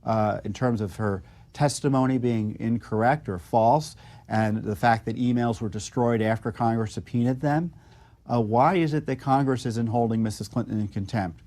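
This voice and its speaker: An American-accented man speaks off the cuff as a political commentator, making pointed arguments in a measured, halting way. His voice has a medium pitch and a darkish tone.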